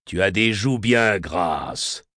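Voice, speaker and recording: A man voicing a slow, menacing rough convict. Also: animated, sharp tone, dry recording, studio quality, full character voice. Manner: slow, threatening, low delivery. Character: menacing rough male escaped convict, middle-aged.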